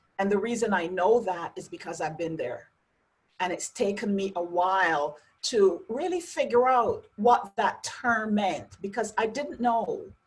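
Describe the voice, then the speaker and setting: A woman at a medium pitch with a Barbadian accent, somewhat breathy, with lively intonation and a fairly slow pace. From Barbados. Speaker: relationship coach. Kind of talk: interview.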